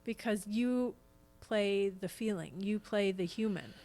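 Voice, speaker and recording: Casting: American woman, mid-pitched, conversational interview guest with an earnest, expressive delivery. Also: unhurried. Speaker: podcast guest, stage actress. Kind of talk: casual interview chat.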